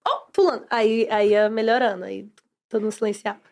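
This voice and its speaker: A Brazilian woman, a former teacher and podcast guest, telling classroom stories in lively casual chat and acting out voices. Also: mid-range voice, a little fast, vocal fry. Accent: Brazilian Portuguese.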